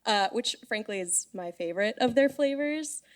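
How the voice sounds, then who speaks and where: A woman's voice: on the high side, expressive, normal speed. A woman hosting a live podcast in front of an audience, chatty and playful. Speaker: podcast host. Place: live event space with audience.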